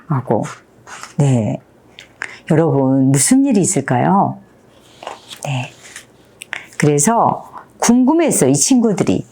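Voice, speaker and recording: A woman's voice: low voice, slow, long pauses, a little hiss or hum. A woman in her fifties, a teacher, talks through a picture book and keeps asking her listeners questions. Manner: animated storytelling, asks the audience questions. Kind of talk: picture-book talk to an audience.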